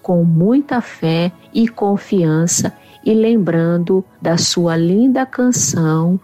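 A woman's voice: fairly low pitch, dark tone, soft background music. A woman from São Paulo with a Brazilian accent, earnestly reading out a recorded testimony. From Cubatão, São Paulo, Brazil. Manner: slow, earnest, reading aloud. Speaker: listener giving a testimony.

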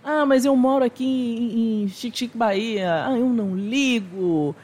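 A woman co-hosting a live radio show, chatting casually and sending shout-outs to listeners. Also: fairly high pitch, unhurried. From Minas Gerais, Brazil.

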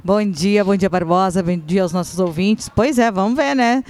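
A woman's voice: mid-range voice, moderate pace, darkish tone. A woman singer with a Rio Grande do Sul accent, a guest on a live radio interview, speaking proudly. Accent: Rio Grande do Sul Portuguese.

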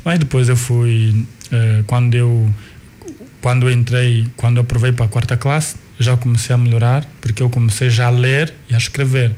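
Angolan man telling his life story slowly. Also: medium pitch, little pitch movement, mellow, a little hiss or hum. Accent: Angolan Portuguese. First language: Kikongo. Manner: unhurried, restarts and repeats words while recalling. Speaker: guest, artist and cultural manager.

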